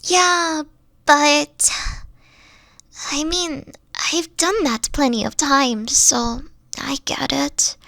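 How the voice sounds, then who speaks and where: A gentle, weary fox-spirit girlfriend from an audio roleplay, voiced by a young woman. Her voice sits high and her speech moves slowly, soft and halting as she trails off. It sounds dry and close, with no room around it. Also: steady tone, creaky, no room sound, heavily acted. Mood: tired, reassuring. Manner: soft-spoken, hesitant, trailing off.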